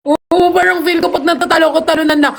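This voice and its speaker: A young woman chatting excitedly on a livestream, often shouting when gifts come in. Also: extremely high pitch, fast talker, creaky. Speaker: live-selling streamer. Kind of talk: casual livestream chat.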